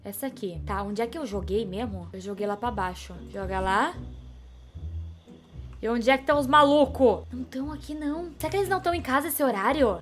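A young Brazilian woman with a Brazilian Portuguese accent, narrating a stealth game in excitable, panicky running commentary to herself. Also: a little high, brisk, faint music behind. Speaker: gaming YouTuber. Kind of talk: let's-play commentary.

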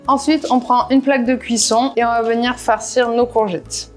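A woman's voice: a little high, steady tone, moderate pace, darkish tone, faint music behind. A woman walking through a recipe step by step in a casual cooking voice-over, with practical asides. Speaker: cooking vlogger. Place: home kitchen.

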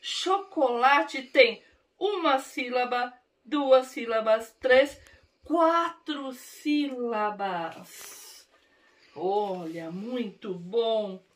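A woman's voice: fairly high pitch, drawn-out words. A Brazilian woman teacher reading words aloud syllable by syllable for young children in a literacy lesson, coaxing them to read along. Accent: Brazilian Portuguese.

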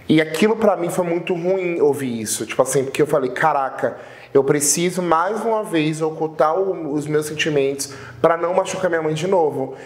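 Bahian guy in his 20s chatting on a sofa, kinda high voice, roomy echo, talks with his hands. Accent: Bahian Portuguese. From Salvador, Bahia, Brazil. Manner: animated storytelling, gesturing with his hands. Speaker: guest, internet personality. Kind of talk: casual interview chat. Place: studio room with a sofa, indoors. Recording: echoey room.

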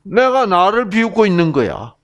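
A man giving a health lecture, telling a personal story in an animated way and acting out the sounds in it. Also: high voice, normal speed, highs cut off.

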